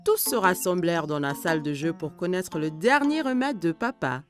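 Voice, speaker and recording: A woman playing the warm narrator of a children's cartoon, telling the story in an expressive storybook style. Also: lowish voice, moderate pace. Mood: storytelling. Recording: music behind.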